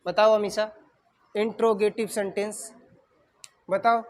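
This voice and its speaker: In a classroom with a whiteboard, a male teacher gives an English grammar lesson, calling on students and dictating sentences word by word. His voice sits high, and he speaks flatly at a measured pace.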